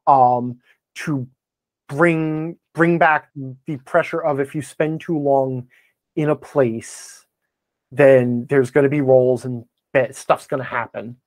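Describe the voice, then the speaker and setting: A man's voice: medium pitch, steady tone, takes it slowly, dry recording. A man speaking as a podcast guest in a conversational interview, wordy and opinionated as he explains things. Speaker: podcast guest, game blogger and author.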